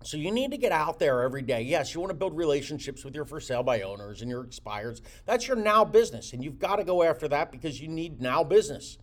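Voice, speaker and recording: A man's voice: on the high side, big pitch swings, fast, few pauses. A man hosting a real estate coaching show, talking with energy, repeating words and using many fillers. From United States. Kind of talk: motivational teaching talk.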